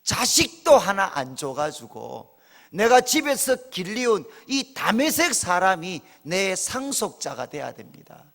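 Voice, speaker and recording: A man voicing Abraham as an older man sulkily complaining to God in a low mutter. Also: big pitch swings, measured pace, gravelly, fairly bright tone, big-room sound, exaggerated voice. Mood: grumbling.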